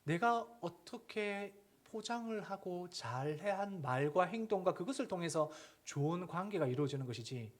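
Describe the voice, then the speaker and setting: Animated middle-aged man preaching. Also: sits high, moderate pace. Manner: animated preaching, acting out voices of children and parents; asks the listeners questions. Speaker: pastor. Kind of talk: sermon.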